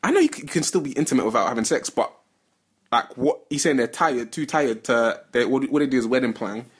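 A man with a husky, rough-edged voice and a London roadman accent. As a podcast co-host he banters casually in slang, often circling back to repeat phrases, at a middling pitch. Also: fairly quick. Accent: London, urban street.

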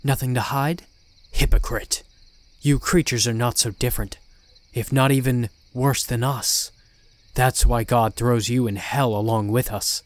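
A man's voice: mid-range voice, steady tone, measured pace, close to an everyday voice. Man voicing a mocking, theatrical demon in a possessed woman. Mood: accusing, scornful. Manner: theatrical, mocking, archaic turns of phrase. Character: taunting demon speaking through a possessed young woman.

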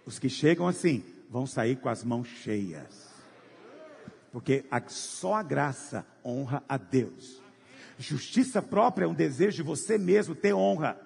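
A man preaching a sermon with passion, swinging between shouts and low, hushed lines. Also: lively intonation, measured pace, creaky, slightly rough, long reverb tail. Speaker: pastor.

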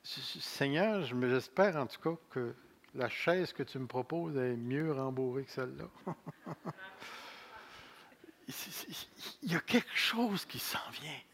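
A man in his sixties with a Québécois accent, preaching a sermon as pastor. He speaks deliberately, repeats key phrases and jokes about himself. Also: mid-range voice, animated, gravelly, fairly bright tone. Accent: Québécois French. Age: 60s. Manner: slow, deliberate preaching with repeated phrases and self-mocking humor.

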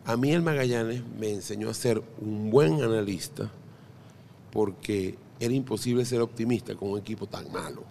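A man's voice: on the low side, normal speed, vocal fry, mellow, slight background noise. A middle-aged Venezuelan man, a podcast guest, chatting casually and telling anecdotes with jokes and frequent restarts. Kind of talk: casual interview chat.

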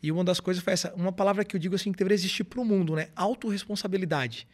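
High-pitched, fast-talking motivational man. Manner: earnest, motivational, explains in steps. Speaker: guest, motivational speaker. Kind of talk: podcast interview, casual conversation.

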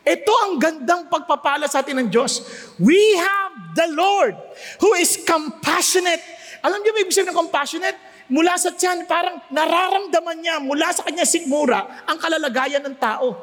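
A man with a Filipino accent preaching a sermon, animated and joking with the congregation as he moves between Tagalog and English. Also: very high voice. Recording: long hall reverb.

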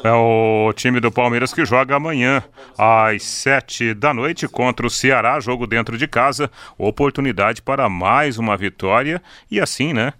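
A man's voice: medium pitch, a little slow, pushed and bright, no echo. A Brazilian man reporting and commenting on football for a sports radio show.

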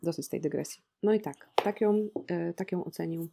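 A woman's voice: lowish voice, normal speed, vocal fry, dark tone, a little hiss or hum. A woman in her thirties discussing a novel on a podcast, ironic and reflective, with frequent hesitations and rhetorical questions. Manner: asks listeners rhetorical questions.

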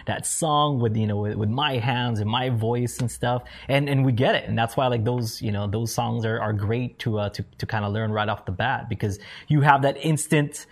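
A man's voice: medium pitch, normal speed, hardly any pauses. A man from the Philippines with Tagalog as his first language, co-hosting a casual chat in a loose, jokey way, full of "like" and "you know". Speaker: co-host, music teacher.

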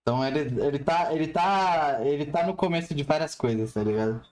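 A man's voice: on the high side, brisk, a little mellow. A man with a Brazilian Portuguese accent hosting a casual, slangy chat. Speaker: host of a drawing chat show.

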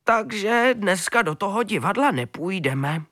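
A man voicing a vain, fussy female cat in a storybook reading, with a shrill scolding voice. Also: expressive, a bit bright. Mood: disappointed.

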